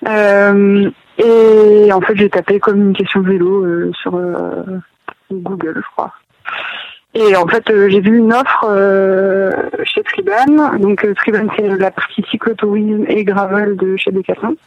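A woman from northern France, a guest in a casual interview, talking hesitantly with many pauses and fillers. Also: mid-range voice, fairly even intonation, darkish tone, no room sound, recorded from a distance, highs cut off.

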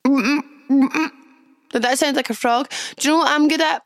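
Young glasgow girl podcasting, croaky hoarse voice, bubbly chatter, dry close mic. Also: high voice, fairly even intonation, normal speed, no echo. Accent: Glaswegian. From Scotland. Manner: bubbly, chatty, swearing freely. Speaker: podcast host. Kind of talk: casual chat.

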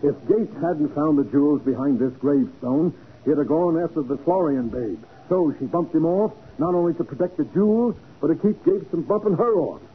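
An actor playing a tough, stubborn American police sergeant, slangy and impatient, in a 1940s radio crime drama. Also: male voice, a little high, lively intonation, normal speed, few pauses, lightly acted. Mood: cocksure. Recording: tinny noisy 1940s radio recording.

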